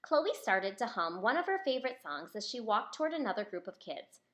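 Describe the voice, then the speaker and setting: Highly animated woman reading a storybook. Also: fairly quick. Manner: expressive, addressing young listeners. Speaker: children's author reading own book. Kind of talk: storybook read-aloud to children.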